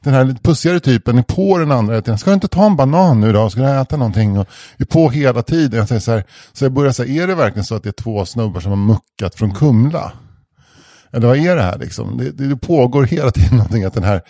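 Dark-voiced man telling a rambling story. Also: medium pitch, expressive, dry recording, studio quality. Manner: rambling, self-interrupting, swears casually. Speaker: podcast co-host. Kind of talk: casual chat, anecdote telling.

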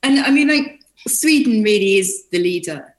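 A woman's voice: mid-range voice, lively intonation, moderate pace, echoey room. A woman hosting a podcast, effusive and stumbling over repeated words as she introduces and questions her guest. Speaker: podcast host. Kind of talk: casual interview chat.

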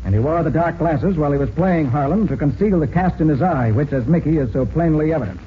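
An actor playing a shrewd, confident master detective, crisp and assured, in 1940s radio style on a muffled old recording. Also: male voice, on the high side, animated, quick pace, slight background noise, lightly acted.

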